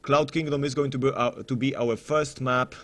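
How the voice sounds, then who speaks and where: A man's voice: mid-range voice, steady tone, moderate pace, a bit bright, a little hiss or hum. A man commentating live on a game tournament in a casual, rambling way, full of matey banter and mock-announcer flourishes.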